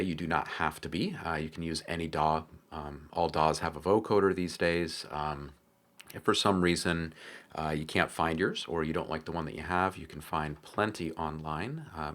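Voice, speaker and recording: Man, low-pitched voice, tutorial host, casual and hesitant explanation, filler-heavy. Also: normal speed, fairly bright tone. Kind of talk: casual screen-recorded software tutorial.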